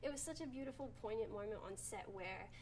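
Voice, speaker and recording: An Australian-accented woman, a director, gives casual interview answers about her film, chatty and full of "like" and "um." Her medium-pitched voice moves at a quick pace against a noisy background.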